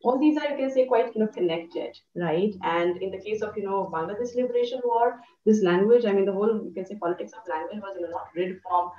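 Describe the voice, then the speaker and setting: A woman's voice: mid-range voice, fast, few pauses, warm tone, reverberant. Young woman, lecturer, filler-heavy, muffled distant call audio. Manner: thoughtful, many fillers like "you know". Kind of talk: academic discussion on a video call. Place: room indoors. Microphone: video call.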